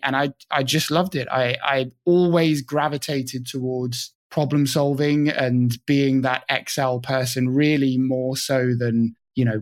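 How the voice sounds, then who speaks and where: A man's voice: medium pitch, no echo, clean studio sound. A British man talking as a panel guest, enthusiastic and often repeating words as he starts sentences. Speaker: guest, training company co-founder. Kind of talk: casual panel chat.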